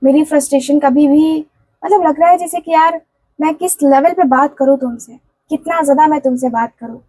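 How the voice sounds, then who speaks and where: A woman with a high voice speaks as a tarot reader, relaying a love message in the first person. She talks in an earnest, pleading way, circling back over the same phrases with casual fillers. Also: brisk, warm tone, rough recording. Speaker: tarot and candle wax reader.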